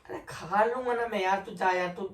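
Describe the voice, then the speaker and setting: A man's voice: high voice, moderate pace, a little hiss or hum. A man in a casual argument with his wife, sounding sleepy, curt and dismissive. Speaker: vlogger pranking his wife. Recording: echoey room, voice from a distance.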